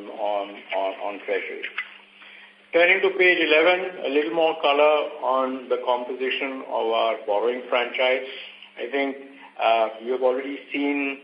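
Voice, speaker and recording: A man's voice: mid-range voice, highs cut off. Echoey male executive on a conference call. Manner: measured, halting, pausing mid-sentence. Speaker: bank executive presenting quarterly results. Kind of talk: earnings call presentation, semi-scripted.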